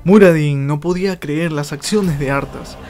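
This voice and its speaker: Male narrator, scripted lore storytelling, fairly high voice, faint music behind. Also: normal speed, darkish tone.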